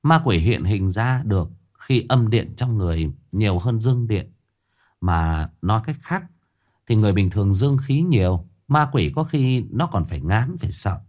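A man putting on a knowing spirit medium woman of about forty, calm and matter-of-fact. Her voice sits low, with a lively rise and fall. She sounds like a figure from a spoken ghost story. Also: moderate pace, lightly acted. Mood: explaining.

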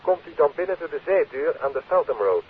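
Secretive caller on a tinny phone. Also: male voice, fairly high pitch, lively intonation, brisk. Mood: guarded, urgent. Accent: Dutch. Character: secretive, earnest male caller arranging a meeting. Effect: telephone filter. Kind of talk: 1950s radio play acting. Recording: tinny phone line, hissy 1950s radio.

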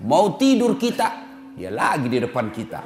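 A man preaching a sermon, lively, acting out everyday scenes and dropping to a hush for prayers. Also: fairly high pitch, moderate pace. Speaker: Islamic preacher. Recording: roomy hall reverb with faint noise.

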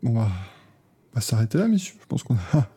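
A man's voice: mid-range voice, big pitch swings, a crowd in the background. A man hosting a casual motorsport talk show, joking around as he wraps up the episode. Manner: joking, rapid, loose. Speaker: podcast host. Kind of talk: casual chat, wrapping up the show.

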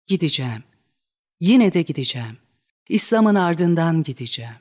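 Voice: mid-range voice, very animated, normal speed, a little mellow. A reader voicing a desperate, lovesick young woman in a dramatic reading of a stage play, pleading and crying out in rising outbursts. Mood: despairing.

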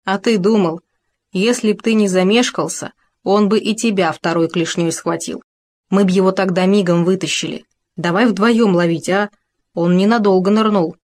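A woman's voice: mid-range voice, steady tone, moderate pace, a little mellow, natural voice. A woman voicing a fussy, boastful young male hamster who wails and grumbles indignantly. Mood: whiny. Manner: wailing, indignant outbursts.

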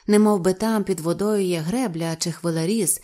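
A woman voicing a wary middle-aged sea captain with a gruff, measured way of talking. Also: lowish voice, mellow, close to an everyday voice.

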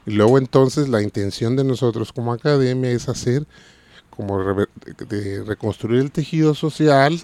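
A man's voice: medium pitch, normal speed, dark tone, dry recording. A man with a Mexican accent, a dance academy teacher, earnestly explaining in a casual radio interview.

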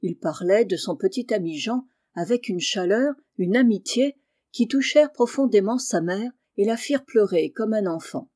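A woman reading a classic children's novel aloud in a measured, even storytelling manner. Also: medium pitch, no echo, clean studio sound. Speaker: audiobook reader. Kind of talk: scripted narration.

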